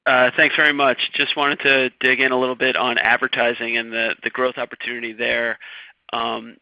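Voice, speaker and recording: A man's voice: mid-range voice, level tone, normal speed, dry recording. A man asking questions as a financial analyst on an unscripted conference call. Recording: muffled phone conference audio.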